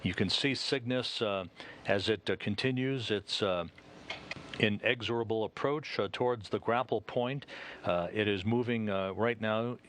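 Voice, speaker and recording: A man with a fairly low voice gives live space mission commentary. His delivery is formal and technical, broken by very frequent uhs. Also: a little slow, fairly bright tone, slight background noise.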